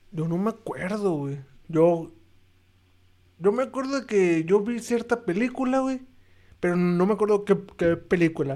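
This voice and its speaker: Someone with a Mexican accent speaks at a fairly slow pace with long, frequent pauses. The tone is dark and mellow, and the intonation lively. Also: man, high pitch for a man. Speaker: podcast co-host. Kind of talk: casual chat. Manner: halting.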